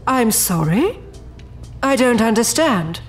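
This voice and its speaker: A woman's voice: a little high, very animated, slow, faint music behind. A woman playing a proud, formal, defensive overseer of an infernal project in an audio drama, with haughty, precise diction. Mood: taken aback.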